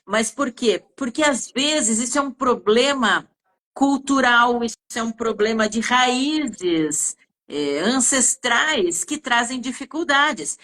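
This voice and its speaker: A woman's voice: fairly high pitch, expressive, slow, fairly bright tone. A woman from southern Brazil with a southern accent explains speech errors in a casual chat, giving many examples with frequent hesitations. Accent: southern Brazilian Portuguese. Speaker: communication teacher. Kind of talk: casual two-person chat.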